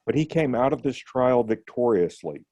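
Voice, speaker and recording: A man in a book study group reading a passage aloud in a steady, measured way. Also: medium pitch, no echo, lo-fi sound.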